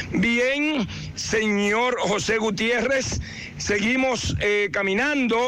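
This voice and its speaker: Speaking very slowly, a man raises and projects his high voice with ordinary pitch variation. Audible room echo and noticeable background noise surround him. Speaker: field reporter. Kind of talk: field report.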